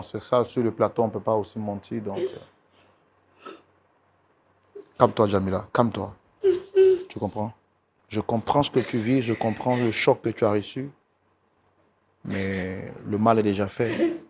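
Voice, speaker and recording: A man's voice: fairly low pitch, steady tone, measured pace, pauses often, darkish tone. A male talk show host on a studio set, pleading and soothing a guest over and over in an emotional testimony show. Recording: noisy studio recording.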